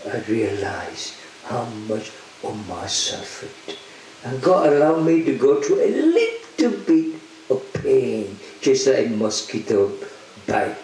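Older male priest, slow emphatic homily, very echoey church, lectern mic. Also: mid-range voice, huge pitch swings, a little mellow, a little hiss or hum. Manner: slow, emphatic preaching, pausing for the interpreter. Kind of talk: homily with interpretation. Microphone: lectern microphone.

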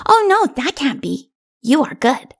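A woman's voice: high-pitched, big pitch swings, a little slow, pitched above the performer's own voice, heavily acted. A woman voicing a small, innocent child in a storybook, anxious and trusting, with an earnest, pleading way of talking.

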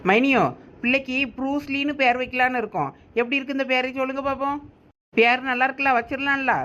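A woman's voice: sits high, fairly even intonation, fast, fairly bright tone. A woman, talking in a teasing, playful way in a comic sketch.

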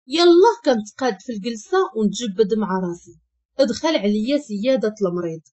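A woman with a Moroccan accent narrating a first-person story in a lively, expressive way. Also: on the high side, husky. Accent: Moroccan Arabic.

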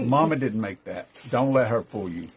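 A man's voice: mid-range voice, big pitch swings, moderate pace, darkish tone, a little hiss or hum. A man hosting a casual live-stream jewelry sale, chatty and upbeat, greeting viewers by name as he shows each piece.

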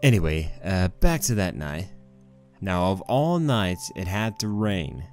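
Man acting a deep-voiced, rambling stallion husband. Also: sing-song, measured pace, faint music behind, exaggerated voice. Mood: wry storytelling. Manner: conversational, rambling, wry. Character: rambling, sheepish young married stallion pony husband. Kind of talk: first-person fan fiction monologue.

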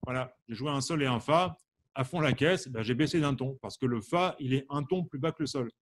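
Chatty French harmonica teacher. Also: male voice, mid-range voice, a little fast. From Champagne, France. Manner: chatty, reads out viewers' answers by name; asks the audience questions, many fillers. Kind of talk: live online music lesson.

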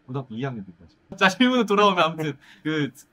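A young man from Ulsan, a musical actor, chatting quickly and animatedly in a casual Q&A. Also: fairly high pitch. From Ulsan, South Korea. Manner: quick, animated, chatty with self-deprecating laughs. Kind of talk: casual Q&A chat. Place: indoor stage set, seated.

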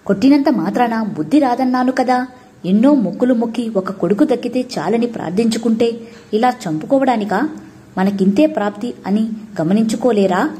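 A woman's voice: on the high side, dark tone, close to an everyday voice. A woman voicing a devout Brahmin mother who pleads and then protects her son sternly, in a storybook reading.

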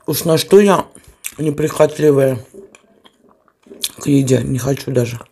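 A mukbang vlogger talks casually to the camera with her mouth full, chewing between phrases in a blunt, offhand way. Her voice is very deep and unhurried, with a dark tone and a breathy edge.

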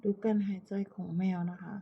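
A woman from Thailand chatting casually and politely to viewers as a pet owner, in an unhurried, coaxing manner. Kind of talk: casual chat to viewers while watching her pet cat. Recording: muffled, lo-fi, phone-like narrow sound.

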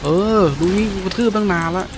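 A man's voice: high-pitched, quick pace. A man giving casual gameplay commentary, playful and crude, with slangy talk and frequent exclamations. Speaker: gaming host. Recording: game music behind the voice. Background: game music.

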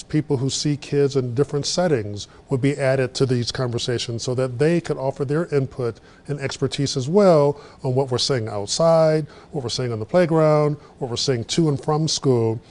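A middle-aged man leading a workshop in a meeting room, telling stories in a lively, conversational way. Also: mid-range voice. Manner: animated storyteller, gestures widely. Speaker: workshop presenter. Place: meeting room with projector screen.

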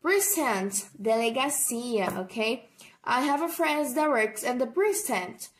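A young Brazilian woman teaching English vocabulary, saying each word slowly and clearly and checking in with "alright?". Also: fairly high pitch, animated. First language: Portuguese. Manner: slow, drawn-out model pronunciation, tag "alright?" after each example. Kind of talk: bilingual vocabulary lesson.

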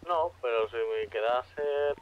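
A man's voice: mid-range voice, slow. A man chatting casually while playing a roleplay video game. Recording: dull lo-fi voice chat, faint noise.

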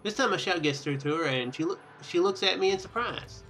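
Young guy doing a let's play, bright voice, reads the text out and trips on words, game music behind him. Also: high voice, animated, fairly quick, poor audio. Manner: stumbles over words and rereads them. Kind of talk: casual playthrough commentary with read-aloud narration.

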